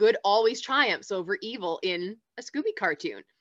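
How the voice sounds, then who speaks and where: Animated and moderately paced, a woman speaks in a bright, sharp tone with ordinary pitch variation and a dry, close sound with no echo. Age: 30s. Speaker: podcast panelist. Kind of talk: casual chat.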